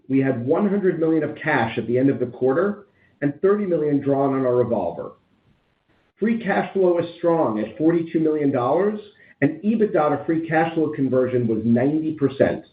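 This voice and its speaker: A man in the role of a finance chief formally reads out scripted financial results on a conference call in a businesslike way. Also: a little high. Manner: formal, businesslike reading of figures. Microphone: conference call phone line. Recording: tinny, echoey conference phone line.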